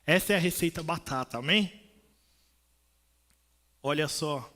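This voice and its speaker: A man's voice: on the high side, unhurried, sharp tone. A young man with a São Paulo Brazilian accent preaching a sermon in a church, telling stories and acting out the voices of people in them. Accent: Brazilian Portuguese, São Paulo. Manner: storytelling, acts out voices of people. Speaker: pastor. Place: church, indoors.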